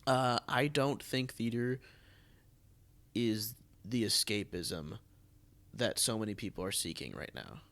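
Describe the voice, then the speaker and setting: A man's voice: on the low side, a little slow, pauses often, a bit bright. A man hosting a casual theatre podcast, talking conversationally and often restarting his phrases. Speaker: podcast host, theatre producer.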